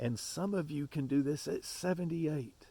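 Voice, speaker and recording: Speaking at a fairly slow pace, a man with an unremarkable speaking voice and an American accent talks at a fairly high pitch. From California and Oregon. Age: 50s. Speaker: vlogger, homesteader. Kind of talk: casual monologue to camera. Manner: folksy, repetitive.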